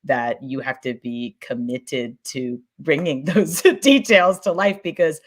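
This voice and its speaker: A woman's voice: very deep voice, steady tone, unhurried. A woman talking casually as a podcast producer in a discussion, effusive and emphatic, giggly and rambling as she goes.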